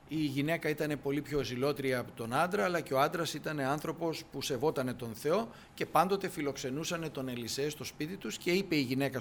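A man's voice: a little high, a bit bright, slight background noise. A man preaching a sermon, reading scripture aloud and retelling it with acted dialogue.

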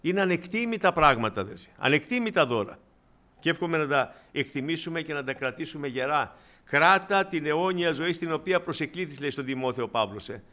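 A man preaching a sermon in a conversational, storytelling way, often addressing his congregation as brothers and dropping low and quiet for emphasis. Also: animated.

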